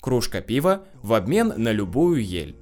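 Male narrator, first-person story reading, wry and slangy, with a very lively, rising-and-falling delivery. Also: fairly low pitch, a little slow, soft background music. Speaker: audiobook narrator.

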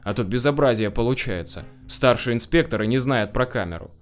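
A man's voice: medium pitch, a little fast, soft background music, close to an everyday voice. A man voicing a stern, nervous male police duty captain in an audiobook reading. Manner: stern and clipped.

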